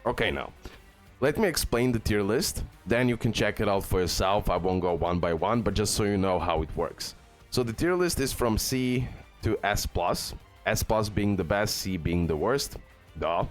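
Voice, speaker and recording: Male gaming video host, low voice, casual and informal guide-style commentary, music underneath. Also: animated, moderate pace. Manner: informal, often says bro and okay.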